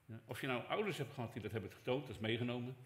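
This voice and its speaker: An older man preaching a sermon as pastor, conversational, dropping to soft asides and rising for emphasis. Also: medium pitch, very fast. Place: church hall. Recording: echoey church hall.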